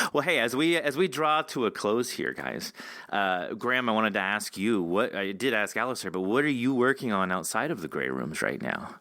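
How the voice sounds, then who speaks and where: A man's voice: lowish voice, sing-song, pushed and bright, dry recording. An American man with a Californian accent, chatty and joking as he hosts a casual interview. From California, United States. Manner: chatty, joking, quick to laugh. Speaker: podcast host and interviewer.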